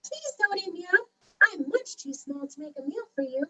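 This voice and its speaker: Storybook little billy goat, played by a woman: tiny squeaky-high voice, timid, pleading, bright. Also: big pitch swings, moderate pace, full character voice. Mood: pleading, frightened.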